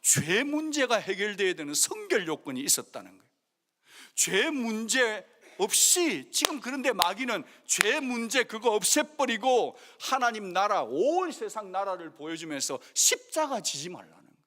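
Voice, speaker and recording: A man preaching a sermon as pastor, dramatic, swinging between forceful rebukes and hushed asides. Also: high-pitched, very animated, moderate pace. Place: church sanctuary. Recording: long reverb of a church hall.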